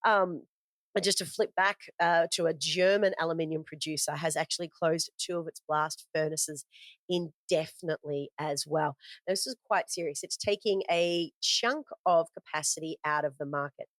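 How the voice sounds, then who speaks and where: Female podcast host, low-ish voice, dry booth, chatty and unscripted. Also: normal speed, dry recording. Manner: conversational, with frequent fillers and self-corrections. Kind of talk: casual spoken market commentary from notes.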